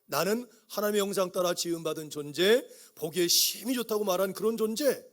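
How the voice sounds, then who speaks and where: Middle-aged male pastor, high-pitched, chatty sermon delivery, often asks the pews questions. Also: fairly quick. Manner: conversational preaching with questions to the congregation. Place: church sanctuary.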